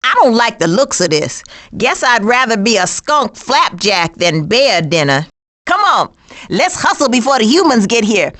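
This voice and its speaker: Sassy, high-pitched American cartoon skunk. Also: female voice, fairly bright tone. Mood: dry, sardonic. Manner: sassy, sardonic, folksy. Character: sassy, cranky female cartoon skunk, streetwise and dry-witted. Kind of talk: animated video game voice acting.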